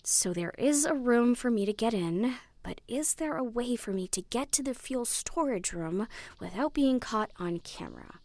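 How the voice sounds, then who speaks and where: Intense, high-voiced perfectionist schemer. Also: female voice, expressive, moderate pace, a little mellow, slight background noise. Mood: tense, focused muttering. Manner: muttering to herself, self-critical. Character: intense, perfectionist, sweary young schemer and protective older sister. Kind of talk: naturalistic sci-fi audio drama acting.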